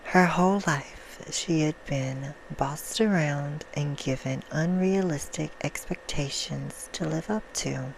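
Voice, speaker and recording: A woman playing a vampire who reads a bedtime story in a hushed, soothing ASMR roleplay style. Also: low-pitched, slow pace, vocal fry, few pauses, slight background noise, exaggerated voice, poor audio. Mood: soft, storytelling. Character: female vampire reading a soft bedtime story.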